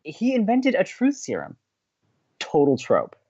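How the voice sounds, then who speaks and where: An actor playing a gleeful, teasing young college radio co-host, bantering with dramatic emphasis. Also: male voice, high voice, wildly swooping pitch, measured pace, darkish tone, slightly rough, muffled recording, heavily acted. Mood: animated. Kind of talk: bantering audio drama dialogue.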